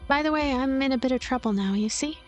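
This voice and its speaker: A woman's voice: high-pitched, fast talker, faint music behind, natural voice. A woman voicing a cynical, lonely girl who narrates her own visual novel story in a blunt, wry, calculating way. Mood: falsely friendly. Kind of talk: first-person visual novel narration read aloud.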